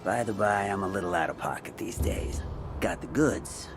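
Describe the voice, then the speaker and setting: A man voicing a sardonic fugitive black-market peddler in a video game, with a gravelly, wry, grumbling delivery. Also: lowish voice, normal speed, background noise, lightly acted. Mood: wry, sly. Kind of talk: video game character acting. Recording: music behind the voice.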